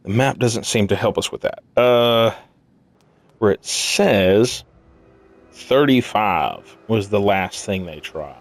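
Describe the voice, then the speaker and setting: A sleep-deprived man thinking aloud as he plays a puzzle game, muttering haltingly to himself in casual commentary. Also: on the low side, no echo. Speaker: gaming video host. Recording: music behind the voice. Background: game music.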